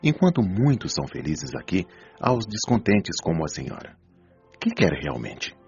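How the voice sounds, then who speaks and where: An actor with a Brazilian accent playing a wise, patient spirit doctor who counsels souls in a measured, admonishing way in an audio drama. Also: male voice, low voice, huge pitch swings, creaky, slightly rough, no room sound, full character voice. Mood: patient, firm. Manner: didactic, measured, gently admonishing. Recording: dull lo-fi audio, music behind.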